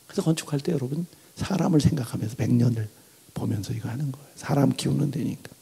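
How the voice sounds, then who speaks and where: A middle-aged male pastor preaching a revival sermon with animated storytelling, swinging from loud outbursts to near-whispers. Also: mid-range voice, fast talker, creaky, husky. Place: church sanctuary. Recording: long reverb in a large church hall.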